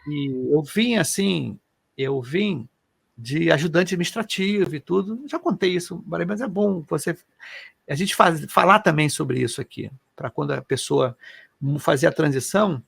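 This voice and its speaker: A middle-aged man from Rio de Janeiro, telling personal stories in an animated, colloquial way as co-host of a casual chat. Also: a little high, a little slow, creaky, husky. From Brazil. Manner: animated, colloquial, emotional storyteller.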